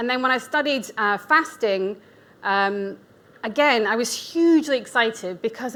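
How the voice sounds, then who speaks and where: A woman speaks in a Scottish accent. Her pitch is fairly high. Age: 40s. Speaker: nutritional therapist. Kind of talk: conference presentation. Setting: stage with audience.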